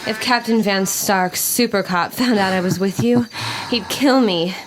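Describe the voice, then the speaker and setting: An actress playing an anxious young woman hiding a secret romance, breathy and hesitant, in a horror audio drama. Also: mid-range voice, measured pace, background noise, close to an everyday voice.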